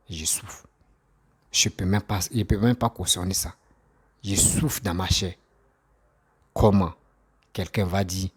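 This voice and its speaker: Impassioned man, low husky voice. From Côte d'Ivoire. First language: an African language, not French. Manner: emphatic, repetitive, rhetorical questions. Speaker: commentator responding to critics. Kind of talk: impassioned political monologue.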